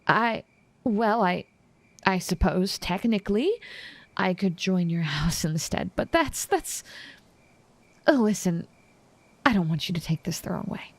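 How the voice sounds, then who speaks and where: A woman playing an obsessive, smug assassin smitten with her target, speaking in a teasing, formal, measured and menacing way in an intimate audio roleplay. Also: medium pitch, expressive, no echo. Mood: coaxing, flirtatious.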